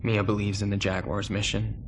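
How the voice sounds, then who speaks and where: A gravelly, low-voiced young warrior , played by a man, brooding and stubbornly earnest in a game drama. Clear noise runs behind the words. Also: flat delivery, normal speed, close to an everyday voice. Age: young adult. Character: earnest, stubborn young male mech pilot. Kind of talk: dramatic game cutscene acting.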